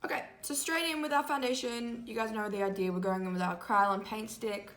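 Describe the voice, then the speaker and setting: A young woman in her twenties giving a casual makeup tutorial, chatty and full of "like" fillers, her voice a little hoarse. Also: fairly high pitch, steady tone, fairly quick, fairly bright tone, roomy sound. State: slightly hoarse, losing her voice. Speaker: makeup vlogger. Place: small indoor room before a grey backdrop.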